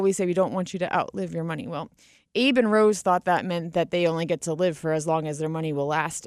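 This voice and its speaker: A woman's voice: lowish voice, no room sound, clean studio sound. A woman radio host and financial advisor talking in a chatty, casual way, laughing easily.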